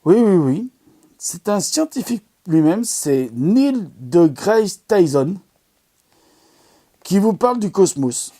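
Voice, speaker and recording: Rambling, enthusiastic man with a mellow voice. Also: sits high, sing-song, slow pace. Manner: enthusiastic, rambling, many fillers and restarts. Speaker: amateur astronomy video host. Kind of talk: casual product recommendation talk.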